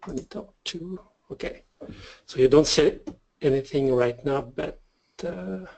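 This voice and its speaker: A man with a French accent speaks at a medium pitch in a dark, mellow tone, with lively intonation, big swings in loudness and long, frequent pauses. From France. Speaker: trading server provider, webinar presenter. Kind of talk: webinar presentation. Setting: online webinar. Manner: halting.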